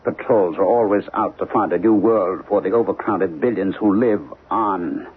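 A man acting an earnest, intense professor in a 1970s radio drama, speaking haltingly and repeating words. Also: low-pitched, fairly even intonation, husky. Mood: intense recollection. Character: earnest male professor gripped by resurfacing alien racial memories. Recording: muffled, noisy old radio broadcast.

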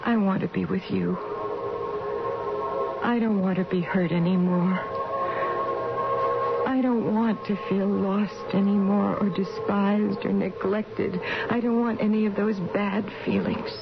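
A dull old radio recording with music underneath carries a frail, anguished mother. She speaks slowly and dreamily, yearning and pleading in a radio play. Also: mid-range voice, fairly even intonation, creaky. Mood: weary pleading. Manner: dreamy, yearning monologue with lingering pauses. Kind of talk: radio drama acting.

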